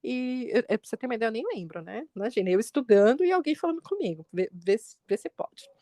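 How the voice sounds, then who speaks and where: Animated mother telling a story. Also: fast talker, dry recording. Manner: animated retelling, quotes her son with pitch jumps. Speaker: podcast co-host, mother. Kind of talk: casual storytelling chat.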